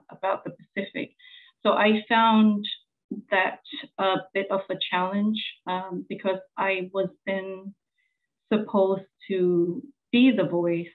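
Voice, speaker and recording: A Samoan woman journalist in her forties giving an earnest conference presentation, pausing often with fillers. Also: medium pitch. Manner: earnest, halting with many fillers. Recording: tinny phone-like sound.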